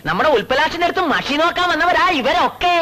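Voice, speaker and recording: An actor playing a sly, gossiping village herbal healer who talks in a fawning, wheedling way. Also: male voice, very high-pitched, animated, quick pace, pushed and bright, full character voice.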